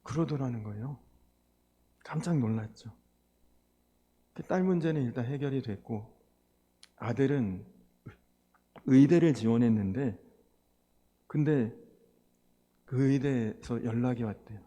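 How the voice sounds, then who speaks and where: A man's voice: mid-range voice, measured pace, long pauses, dark tone. A male pastor telling a story in his sermon, acting out the people in it. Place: church sanctuary. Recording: long church hall reverb.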